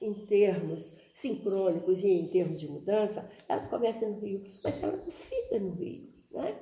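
Fairly slow, medium-pitched female speech amid noticeable background noise and audible room echo. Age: 70s. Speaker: linguistics professor. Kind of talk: interview monologue. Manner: halting.

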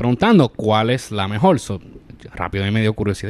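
The man's voice sits at a medium pitch, with a dry, close sound with no echo. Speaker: podcast host. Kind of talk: casual chat; show outro. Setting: live-streamed studio recording. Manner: animated.

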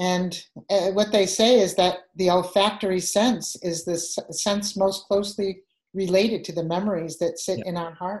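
A woman uses a normal speaking voice at a medium pitch. She keeps a moderate pace and fairly even intonation. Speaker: podcast co-host. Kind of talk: interview.

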